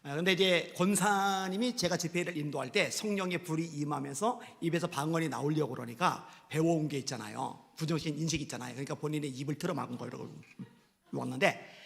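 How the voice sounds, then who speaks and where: Gravelly-voiced male pastor in an echoing sanctuary. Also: on the high side, a bit bright. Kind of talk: sermon. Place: church sanctuary. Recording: echoey sanctuary with long reverb.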